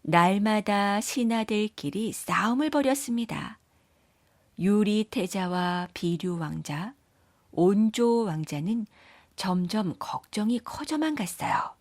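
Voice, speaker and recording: A woman reading scripted children's story narration in a measured, careful storytelling manner. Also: mid-range voice, animated, no room sound.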